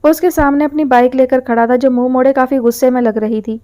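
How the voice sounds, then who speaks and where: A woman narrating an audio novel in a steady, even storytelling manner. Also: sits high.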